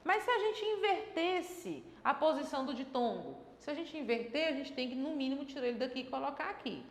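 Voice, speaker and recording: Female grammar teacher, higher voice, explanatory and checking in with the class, recorded in a roomy space with long reverb. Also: very animated, brisk. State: dry throat. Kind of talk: exam-prep grammar lesson. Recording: echoey room with long reverb.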